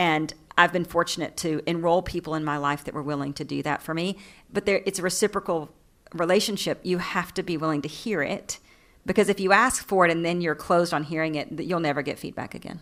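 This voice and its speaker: The woman talks at a fairly quick pace. Her voice sits fairly low, with ordinary pitch variation. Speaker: business executive. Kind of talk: live interview. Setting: stage with live audience. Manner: fast-talking.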